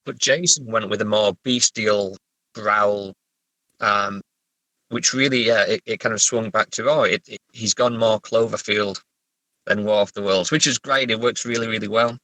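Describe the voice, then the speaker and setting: A man's voice: on the low side, steady tone, normal speed, bright, forceful tone, no room sound, low-quality recording. A middle-aged man chatting casually as a guest writer, hesitant and self-deprecating, often stammering. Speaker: guest writer discussing own story. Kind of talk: casual interview chat.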